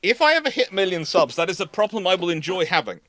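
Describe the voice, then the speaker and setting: A man hosting a naval history livestream, answering questions in casual chat with halting, repetitive phrasing. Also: high voice, very animated, pushed and bright.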